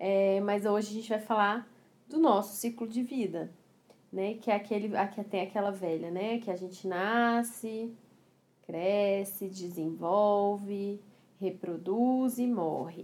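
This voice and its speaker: In a Goiás accent, a woman speaks at a very slow pace. Her medium-pitched voice holds a fairly even intonation. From Goiás, Brazil. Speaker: family doctor, podcast co-host. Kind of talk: educational podcast talk.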